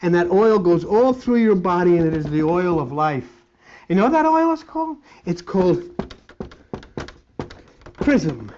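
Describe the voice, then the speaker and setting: A man delivers a blunt, fiery sermon in a high, lively voice. He swings from hushed asides to loud calls. The recording is dull and lo-fi. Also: unhurried, long pauses, slight background noise. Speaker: spiritual teacher. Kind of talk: sermon-style lecture.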